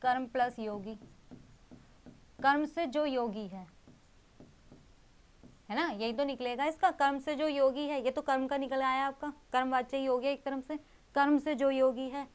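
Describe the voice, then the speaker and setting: A woman's voice: sits high, fairly even intonation, a little fast, clean tone. A young woman teaching an exam-prep grammar lesson, explaining with rhetorical questions and repeating key terms.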